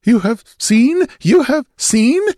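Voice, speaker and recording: A male narrator plays a dreamy man of a lost city in a fantasy audiobook. His voice sits high and drawls through florid, archaic phrases. He is sensuous and detached, quick to panic, and recorded close and dry. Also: animated, warm tone, no room sound, full character voice. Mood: startled, fearful.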